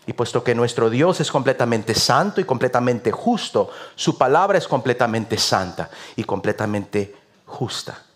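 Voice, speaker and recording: A visiting pastor with a Mexican Spanish accent and a mid-range voice preaches a sermon. His delivery is earnest and rhythmic, punctuated by repeated amens.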